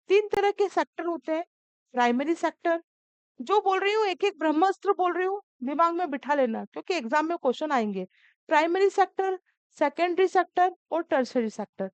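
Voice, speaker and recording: High-voiced woman teacher, coaxing and scolding. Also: no room sound, lo-fi sound. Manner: scolding, coaxing, calls students beta. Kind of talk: exam prep lesson.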